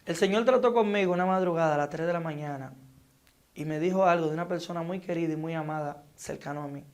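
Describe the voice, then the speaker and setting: A man's voice: a little high, quick pace. A man giving a fervent, dramatic testimony as an interview guest, acting out his story with sound effects. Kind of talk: emotional testimony.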